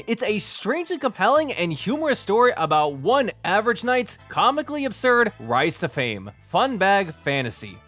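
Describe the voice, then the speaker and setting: A man's voice: on the high side, a bit bright. A man narrating a scripted review as host, with an emphatic, playful delivery.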